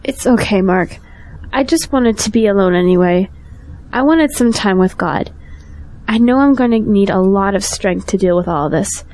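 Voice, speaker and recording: A woman playing a gentle, grateful young Christian woman in an audio drama. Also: medium pitch, expressive, normal speed, close to an everyday voice, rough recording. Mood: subdued.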